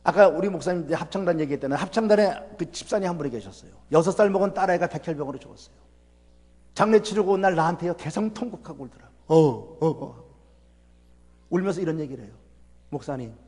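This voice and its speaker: A middle-aged man delivers a revival sermon in a church sanctuary, his voice sitting notably high. He talks in a folksy, emphatic way, pressing the congregation with rhetorical questions. The room carries a long reverb tail. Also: darkish tone. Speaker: pastor.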